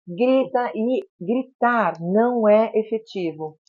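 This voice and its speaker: A woman psychologist, a guest on a talk show, explaining advice in a calm, measured way. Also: on the high side, lo-fi sound, slight background noise.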